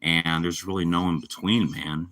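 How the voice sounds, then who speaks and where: A young man with a slightly raspy voice from a cold, chatting casually and rambling on a live stream. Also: low voice, fairly even intonation, moderate pace, fairly bright tone. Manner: rambling, laid-back, lots of fillers. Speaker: livestreamer.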